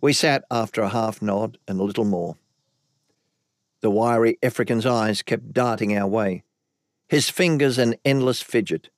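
A man's voice: lowish voice, normal speed, dry recording, studio quality. A man narrating an audiobook in the first person, telling the story evenly.

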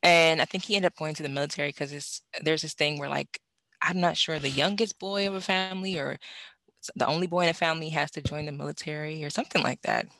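A young woman talking about learning languages in a casual conversation, animated, with many fillers and frequent laughs. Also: low voice, fast talker, no echo.

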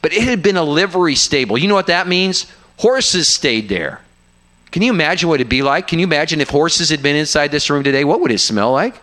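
A man preaching a sermon to a congregation, teaching with lively asides and asking them questions to draw them in. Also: fairly high pitch, brisk. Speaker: university guest preacher.

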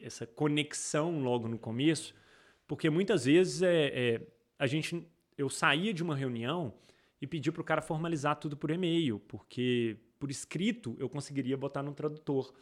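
A man's voice: fairly high pitch, normal speed. A man from Brazil with a Brazilian Portuguese accent, a guest in a casual interview, telling stories with many restarts. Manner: rambling, frequent restarts, animated retellings. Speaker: guest, entrepreneur.

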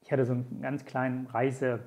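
Gravelly man, Tamil native, recounting slowly. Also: mid-range voice, flat delivery, darkish tone. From Sri Lanka. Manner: many hesitation fillers, earnest and reflective. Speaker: interview guest. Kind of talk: conversational storytelling.

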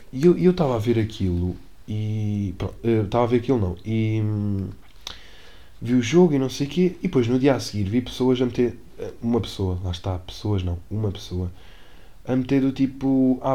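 A man's voice: lowish voice, warm tone. A young man with a European Portuguese accent, hosting his own podcast alone in a rambling, self-mocking, slangy way. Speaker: podcast host. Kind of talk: solo casual podcast monologue.

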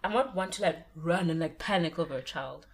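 A woman's voice: on the low side, a little fast. A woman co-hosting a podcast in casual chat, laid-back and giggly. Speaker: podcast co-host.

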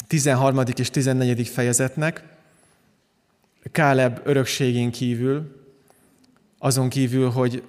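Male pastor, middle pitch, earnest unhurried sermon delivery, reverberant hall sound. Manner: calm, earnest preaching with frequent restarts.

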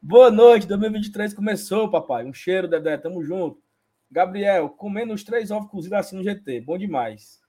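On a casual live-stream fan show, a man with a husky, high-pitched, dark-toned voice reads viewer comments aloud and greets each one. He's playful, chatty, and expressive, talking at a moderate pace.

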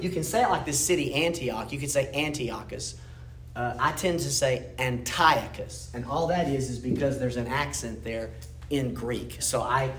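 A man teaching an informal Bible history class in a church room, explaining in a conversational way and often checking in with his listeners. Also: a little high. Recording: echoey room, faint background noise.

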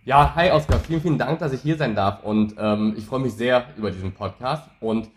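A man in his thirties, born in Taiwan and raised in Germany, talking as a podcast guest in a thoughtful, hesitant way with many pauses and tag questions. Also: mid-range voice, roomy sound, slight background noise. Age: 30s. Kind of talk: casual interview conversation.

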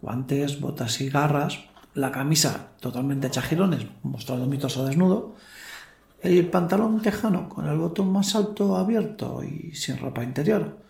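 A man's voice: on the high side, moderate pace, vocal fry, darkish tone. An actor playing a cocky, lustful young man in a werewolf costume, narrating his night in slangy, self-mocking audio fiction. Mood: boastful. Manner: slangy, boastful, talks to himself. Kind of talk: first-person audio fiction narration with dialogue. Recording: roomy echo, faint music behind.

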